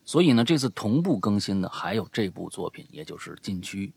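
Deep, gravelly-voiced male host. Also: sing-song, a little fast, a little mellow, no room sound. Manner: repeats phrases for emphasis. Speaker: show host and audio storyteller. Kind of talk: casual chatty promotion of a show.

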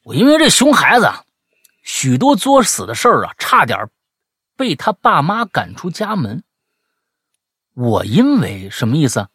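A husky-voiced man hosts a comic chat show, reading listener letters and poking fun at them. His pitch swings widely as he jokes and feigns outrage. The sound is close and dry. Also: moderate pace, pauses often, dry recording. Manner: teasing, animated, mock-indignant. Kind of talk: comic commentary on listener stories.

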